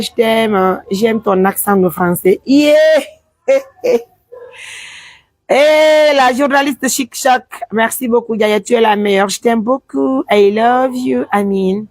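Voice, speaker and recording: A woman's voice: a little high, takes it slowly, no room sound. A woman, a mother from Guinea, hosting a casual live stream, mixing French with a local language as she reads out and answers viewer comments. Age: adult with children.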